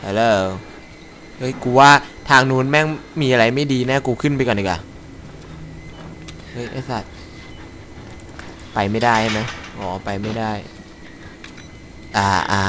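A young man giving crude, jokey commentary on a horror game, yelling and cursing when something startles him. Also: on the low side. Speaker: gaming YouTuber. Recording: faint background noise.

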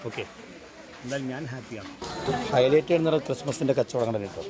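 With a mid-range voice and a quick pace, a man with a Kerala accent walks through a packed street market, vlogging enthusiastically and repeating himself as he mixes English into his Malayalam. Crowd noise from the busy market fills the background.

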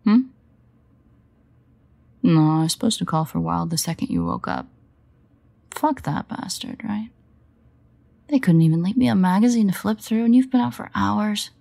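A woman playing a sardonic, guarded but fond vampire in an intimate audio roleplay, wry and hesitant in manner, with a husky, gravelly voice. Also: mid-range voice, very animated, moderate pace, pauses often, mellow. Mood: teasing.

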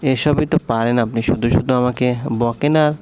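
A man's voice: mid-range voice, steady tone, moderate pace, a little mellow, a little hiss or hum, lightly acted. A man voicing a stubborn young college girl who answers back in petulant retorts in a storybook reading. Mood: sulky.

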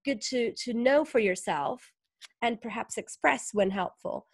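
Speaking at a measured pace in a slightly high voice, a northern Italian woman gives a thoughtful video-call interview as a guest author, full of fillers and rhetorical questions. The webcam recording from a small indoor room has studio quality and no room sound.

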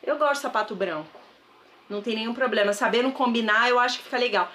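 A woman's voice: fairly high pitch, fast, a bit bright, a little hiss or hum. A woman in her thirties with a Brazilian Portuguese accent, chatting enthusiastically to viewers in a casual haul vlog, recorded on a close camera mic in a bedroom. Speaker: thrift vlogger. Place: bedroom with wardrobe, indoors.

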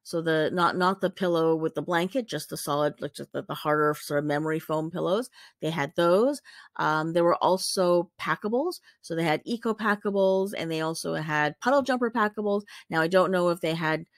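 A woman's voice: fairly low pitch, normal speed, no echo. Chatty woman narrating over photos, dry sound. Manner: rambling, many fillers and self-corrections. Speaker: vlogger describing a warehouse sale.

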